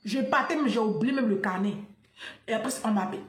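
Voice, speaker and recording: A woman's voice: on the high side, fairly quick, reverberant. A woman, delivering a fiery, scolding monologue to camera. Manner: fiery, scolding, repeats "là" and "hein". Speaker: online commentator.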